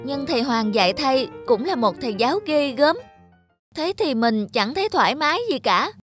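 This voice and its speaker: A woman's voice: high voice, animated, moderate pace, breathy edge, soft background music. A woman voicing a forgetful, reluctant little schoolboy in a children's cartoon, with a boyish, grumbling manner.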